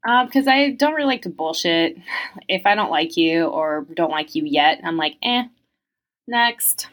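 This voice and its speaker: A woman's voice: lowish voice, expressive, a little slow, fairly bright tone. A young woman from France who grew up in the United States, answering interview questions in a chatty, reflective way with many fillers.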